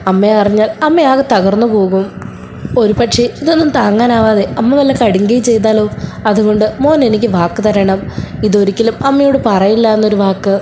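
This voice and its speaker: A woman voicing a gentle, self-sacrificing young elder sister who soothes and begs her brother while retelling a serial. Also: mid-range voice, brisk, background noise, natural voice. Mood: pleading.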